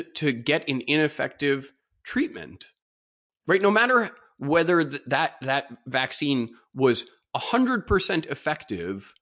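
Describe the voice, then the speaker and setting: A man with a mid-pitched voice and a mildly stuffed-up nose speaks alone as a podcast host. He is informal and opinionated, stressing his points with repeated words as he delivers his monologue. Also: fairly bright tone. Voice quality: slightly congested, stuffy nose. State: mild nasal congestion from a cold-like illness.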